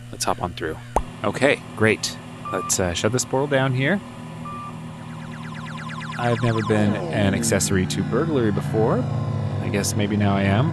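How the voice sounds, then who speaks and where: A man's voice: lowish voice, noisy background, natural voice. A man playing a wry multiverse traveller who muses aloud in a comedic audio drama.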